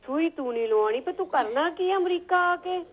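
A woman's voice: extremely high pitch, lively intonation, a little fast. A woman calling in by phone, teasing and playfully bargaining in casual chat. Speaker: phone-in caller. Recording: tinny phone line.

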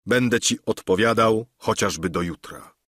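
A man voicing an old, deluded knight who speaks slowly and solemnly. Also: fairly bright tone, no echo, clean studio sound. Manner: slow, solemn, low and measured.

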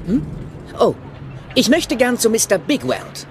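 A man's voice: extremely high pitch, wildly swooping pitch, a little slow, exaggerated voice. An actor playing an earnest, eager young male robot inventor in a children's audio play, a little hesitant. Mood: eager, polite. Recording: music behind the voice.

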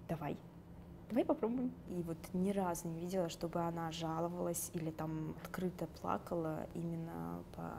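A young adult woman from Karachay-Cherkessia in the North Caucasus speaks with a light Circassian accent and a fairly low, vocal-fry voice. She chats through a sit-down interview in a dark studio, laughing often and filling her speech with fillers. A lapel mic picks her up over a noisy background.

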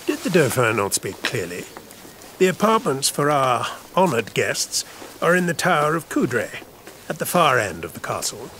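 A worldly, condescending chamberlain of a royal court in an audio drama. His mid-pitched voice moves freely up and down in formal, measured phrases, with faint ambience behind him. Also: sing-song, sharp tone, slight background noise. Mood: smoothly patronising.

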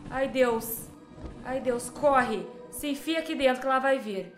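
A woman's voice: sits high, measured pace, roomy sound, faint music behind. A young Brazilian woman commentating on a horror game as a scared streamer, exclaiming and repeating herself in panic. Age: young adult. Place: small home room, indoors.

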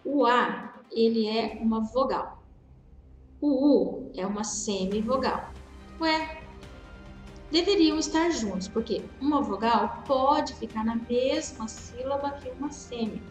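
A woman with a Brazilian Portuguese accent teaches a grammar review lesson, slowly drawing out examples and calling her students dear. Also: on the high side. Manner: patient, drawn-out spelling of examples, calls students dear. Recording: roomy echo with faint music.

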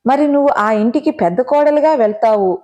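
A woman's voice: on the high side, expressive, a little fast, mellow, highs cut off, lightly acted. A woman doing a mischievous younger sister. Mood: teasing. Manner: confiding, mischievous.

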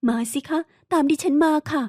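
A woman's voice: moderate pace, mellow, no room sound, clean studio sound, natural voice. A woman voicing a distressed young heiress who pleads her innocence in a tremulous, pleading tone. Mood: urgent. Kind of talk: audiobook character voice.

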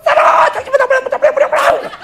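A man's voice: extremely high pitch, fairly even intonation, fast talker, creaky, pushed and bright, some chatter behind, slight background noise, voice pushed up, heavily acted. A man voicing a hysterical woman, a general's wife, who shrieks in repeated cries. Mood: shrill.

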